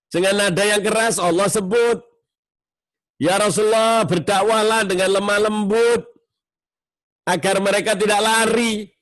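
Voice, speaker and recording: A man giving a sermon to a mosque study circle, explaining with warmth and acting out tones of voice in his examples. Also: high-pitched, no room sound.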